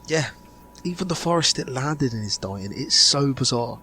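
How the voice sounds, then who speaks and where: A man playing a grave insider revealing a sinister conspiracy in an amateur audio drama, speaking deliberately with dramatic pauses. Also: medium pitch, animated, sharp tone, slight background noise. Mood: grave, bewildered.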